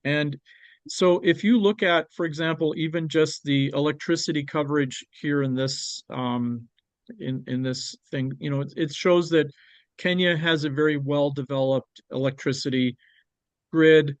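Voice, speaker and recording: Canadian guy giving a webinar talk, bit higher voice, lots of ums, dry sound. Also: steady tone, normal speed, dry recording. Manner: hesitant, with many ums and restarts. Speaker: presenter on export markets. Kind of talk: webinar presentation with a guest.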